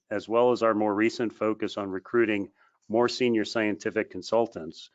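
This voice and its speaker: A man reading a scripted financial results presentation in a formal, measured way, as a company executive on a conference call. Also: fairly low pitch. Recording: dull, lo-fi conference call audio.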